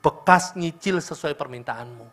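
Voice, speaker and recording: A male pastor with an East Javanese accent voicing God in a sermon story, calm and explaining. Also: fairly high pitch, moderate pace, voice pushed down.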